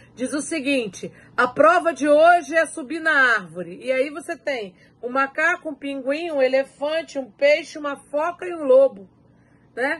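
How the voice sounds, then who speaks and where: This woman has a high pitch and lively intonation. Her pace is fairly slow. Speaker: university lecturer. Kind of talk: lecture. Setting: online class video.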